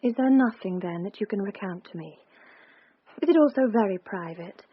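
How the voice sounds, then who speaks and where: An actress playing a lively, teasing young Victorian woman in a radio drama who talks in an eager, coaxing way. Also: mid-range voice, moderate pace, husky. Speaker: actor. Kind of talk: period radio drama acting. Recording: dull, slightly muffled broadcast audio.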